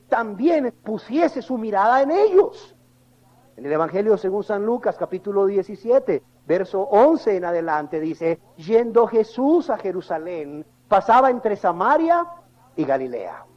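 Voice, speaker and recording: A man preaching a sermon, swinging from loud fervent calls to hushed, low phrases. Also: muffled recording.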